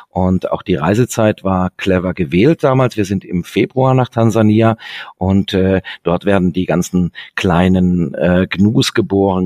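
A man's voice: low voice, darkish tone, no echo, studio quality. A man born in Sicily, a travel photographer, chatting through anecdotes in an interview with many fillers. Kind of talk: relaxed interview storytelling.

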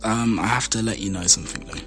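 A man with a Jamaican accent and a low, deep voice teases and banters in a casual podcast chat. His tone is bright and forceful, and faint music plays behind him. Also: fairly even intonation, fast. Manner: teasing, playful. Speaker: podcast host.

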